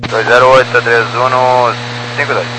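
A man's voice: medium pitch, little pitch movement, normal speed, sharp tone. A man with a Brazilian accent making procedural readbacks and requests as a pilot over aviation radio. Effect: aviation radio transmission. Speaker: airline pilot. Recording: noisy cockpit radio with hum.

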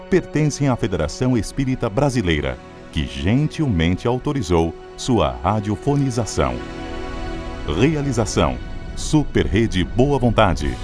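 A man narrating a radio drama from a script in a solemn, declamatory announcer's manner. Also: fairly low pitch.

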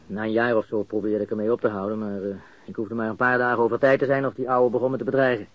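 An actor as a jittery, cornered petty crook. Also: male voice, fairly low pitch, level tone, fast, dry recording, natural voice. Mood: bitter, resigned. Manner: stammering, nervous laughing, slangy and bitter. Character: jittery petty crook confessing to police under interrogation. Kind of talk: Dutch radio crime drama acting. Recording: dull lo-fi studio radio recording.

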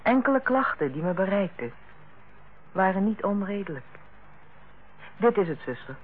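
An actress in a Dutch radio play as a female hospital director, authoritative yet kindly, speaking in a measured, formal and persuasive way. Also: medium pitch, very animated, husky. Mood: earnest, careful. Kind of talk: Dutch radio drama acting. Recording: muffled, band-limited old radio recording.

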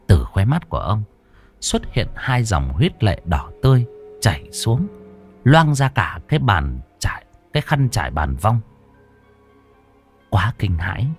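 A man narrating a ghost story in a lively, dramatic storytelling manner. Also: lowish voice, no room sound, clean studio sound.

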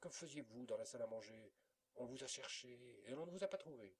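Fussy, scolding aunt, sharp raised voice, read by a husky-voiced man. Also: medium pitch, expressive, fairly quick.

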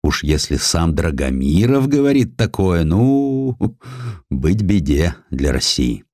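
A man reading a historical sketch as a dramatic audiobook narrator, expressive and emphatic, with deliberate pauses. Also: low-pitched, dry recording, clean studio sound.

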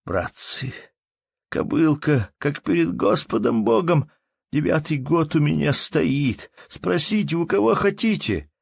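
A man voicing a desperate poor peasant who wails and begs in a creaky, husky, strained high voice. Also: expressive, a little slow, no room sound, clean studio sound, heavily acted. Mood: pleading. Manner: wailing, begging, folksy speech.

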